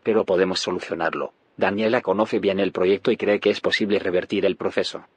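Un actor interpreta en una ficción sonora a un científico serio y resolutivo que lidera a su comunidad con firmeza. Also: male voice, low-pitched, steady tone, breathy edge, dry recording. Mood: firm, urgent. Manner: serious, measured, firm. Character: grave, decisive male scientist leading a community. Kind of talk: audio drama acting.

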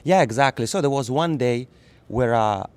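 A man from the Italian-speaking part of Switzerland, Italian native speaker with a Swiss Italian accent, chatting as a podcast guest in a lively way, often restarting words. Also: medium pitch, normal speed. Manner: lively, laughs easily, repeats words when restarting. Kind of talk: casual interview.

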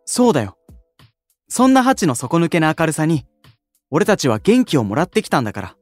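A man playing a modest, sensitive young male idol in an anime-style audio drama, speaking softly and politely with some hesitance. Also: on the high side, wildly swooping pitch, a little fast, no room sound, soft background music. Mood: sincere, tender.

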